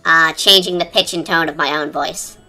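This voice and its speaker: Streamer on a chipmunk voice changer, squeaky bright sound, rambly chatter, faint cafe music behind. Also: fairly even intonation, normal speed. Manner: rambling, chatty, lots of fillers. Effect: high-pitched chipmunk voice changer. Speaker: art streamer. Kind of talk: casual chat while drawing. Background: quiet cafe-style background music.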